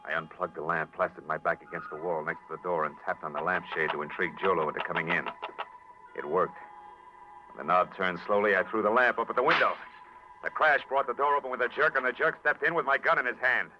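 An actor playing a tough, wry private detective, wisecracking and dramatic in 1940s radio noir narration. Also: male voice, deep voice, quick pace. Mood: tense narration. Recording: dull old radio recording, loud music.

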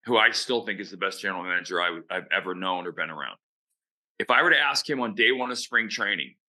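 Bright-voiced blunt baseball analyst man. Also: on the low side. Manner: blunt and opinionated. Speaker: baseball analyst and show regular. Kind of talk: casual sports podcast chat.

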